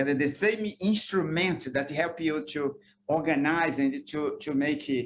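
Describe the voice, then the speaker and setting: A man with a Brazilian Portuguese accent. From northeastern Brazil, Salvador. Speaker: epidemiologist, research centre director. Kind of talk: academic seminar talk. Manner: halting, many fillers and repetitions.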